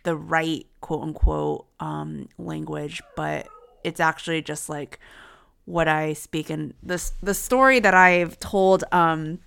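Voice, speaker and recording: Young woman, podcast co-host, from the US, casual chat, lots of fillers, low voice, clear tone. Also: slow pace, a bit bright. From United States. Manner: chatty, many filler words. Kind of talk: casual conversation.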